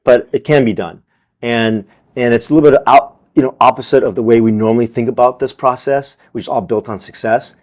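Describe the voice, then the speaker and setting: A man at a middle pitch answers interview questions with earnest energy. He circles back, repeats words and fills gaps with "you know" as he builds each point. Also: fairly even intonation, brisk, a little mellow. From Vietnam, raised in America. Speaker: film director and teacher, interview guest.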